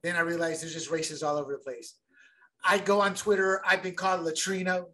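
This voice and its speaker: A man co-hosting a casual sports podcast, talking in an animated, rambling way and repeating words as he gets going. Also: sits high, a little fast, rough recording. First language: bilingual since childhood. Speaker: podcast co-host.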